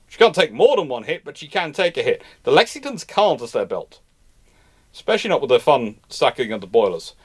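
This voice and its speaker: A man hosting an unscripted question-and-answer talk, speaking emphatically but haltingly, doubling back and repeating himself to stress points. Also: fairly high pitch. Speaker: naval history host answering live questions.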